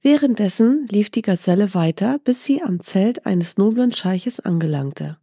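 A woman calmly reading a teaching fairy tale aloud in a measured way. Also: mid-range voice, husky, no room sound, studio quality. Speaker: storyteller. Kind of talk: storybook reading.

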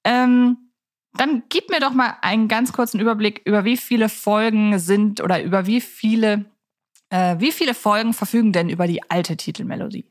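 A woman's voice: mid-range voice, normal speed. A woman chatting casually as a podcast host.

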